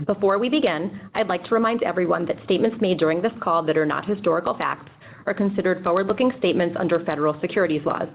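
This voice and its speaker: A woman's voice: lowish voice, fast. A woman reading a formal scripted statement as a corporate investor relations executive on a conference call. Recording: dull, noisy conference call audio.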